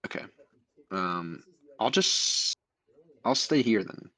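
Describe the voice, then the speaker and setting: A man's voice: on the low side, lively intonation, slow, sharp tone, low-quality recording. A young man playing a tabletop game, hesitantly thinking through his options and the rules aloud. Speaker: player. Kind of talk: casual tabletop play.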